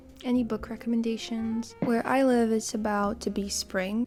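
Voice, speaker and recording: With music in the background, a woman talks at a moderate pace in a monotone, flat intonation. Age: 20s. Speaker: medical student and vlogger. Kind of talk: casual chat.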